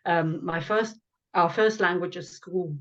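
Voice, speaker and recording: A woman's voice: lowish voice, unhurried, highs cut off. An older woman, originally from Lithuania with Lithuanian as her first language, talks as an author and guest in an earnest, explanatory way with the occasional wry aside. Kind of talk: conversational explanation.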